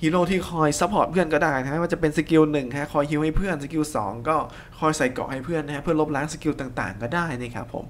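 Young guy chatting fast over a game, bit high voiced, some faint hiss behind. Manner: chatty, excitable, teasing. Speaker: game commentator. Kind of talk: casual gameplay commentary. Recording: faint background noise.

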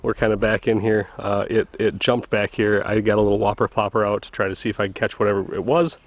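A man in his thirties hosting a casual fishing vlog, talking excitedly to a camera held at arm's length outdoors on a small river boat. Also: on the low side, quick pace, dry recording. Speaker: host of fishing channel. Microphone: handheld camera at arm's length.

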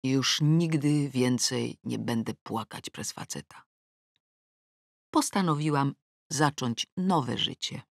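A woman's voice: slow, gravelly, no echo, studio quality. Wry middle-aged woman narrating an audiobook. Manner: wry, ironic storytelling with sudden rises in pitch. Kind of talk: first-person novel narration. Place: dry recording booth. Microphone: close studio mic.

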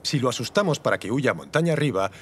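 A man voicing a calm, reasonable village gentleman in a cartoon dub. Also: mid-range voice, fast talker, breathy edge. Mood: calm, reasoning. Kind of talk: animated series dubbing.

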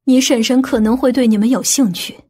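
A woman's voice: on the high side, fairly even intonation, brisk, dark tone, breathy edge. A woman playing a stern, principled middle-aged aunt in an audiobook, blunt and skeptical. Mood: matter-of-fact. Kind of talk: audiobook character acting.

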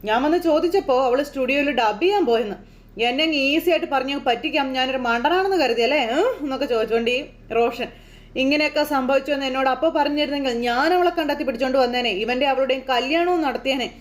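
A woman in casual style quickly retelling a TV serial episode, slipping into the characters' lines as she goes. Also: high-pitched. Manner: lively storyteller voicing characters' lines in passing. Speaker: serial recap narrator. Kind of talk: fast casual plot retelling.

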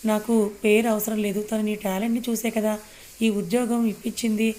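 Steady storybook read of a woman doing a sharp, guarded young wife; keep it level. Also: medium pitch, fairly quick, close to an everyday voice. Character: young married woman, guarded and quick to anger.

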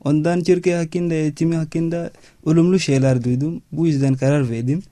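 A 21-year-old man from Chad with a Chadian accent, answering interview questions in halting, non-native Turkish. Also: on the high side, fairly even intonation, dark tone, dry recording, clean studio sound. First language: not Turkish. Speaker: student guest.

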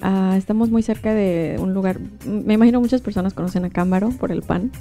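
A woman in her thirties from Guanajuato, Mexico, talks as a guest on a small studio program. Her voice is warm and mellow, and she speaks in a friendly way with a slight nervous edge. Faint music sits behind her. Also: medium pitch, fast. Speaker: interview guest. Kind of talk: casual conversation. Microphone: handheld mic.

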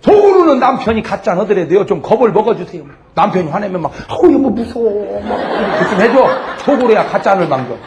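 A middle-aged man preaching a humorous revival sermon to a congregation, lively and joking, swinging from loud shouts to soft asides. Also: high voice, quick pace, few pauses, slight background noise. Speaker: pastor. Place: church sanctuary before a congregation.

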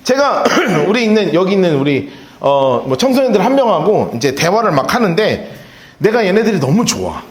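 A middle-aged male pastor preaching a sermon, chatty and animated, with laughing asides to the congregation. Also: high-pitched, normal speed, slight background noise. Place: church sanctuary. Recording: roomy church reverb.

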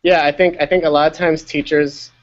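A man's voice: a little high, little pitch movement, a little fast. A man who produces education media, talking casually on a video call and often restarting his phrases. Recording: dull lo-fi video call audio.

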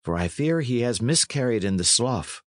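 A man's voice: medium pitch, sing-song, normal speed, dry recording, studio quality, natural voice. A man voicing a blunt, kindly young adventurer in a storybook, with hearty archaic speech. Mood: earnest, pitying. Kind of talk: storybook character reading.

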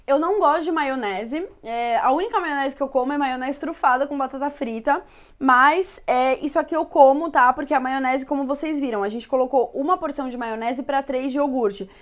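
A woman's voice: high-pitched, brisk. A young woman hosting a casual home cooking show, chatty, often checking in with listeners. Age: young adult. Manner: chatty, with filler "tá?" tags. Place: home kitchen and living room, indoors.

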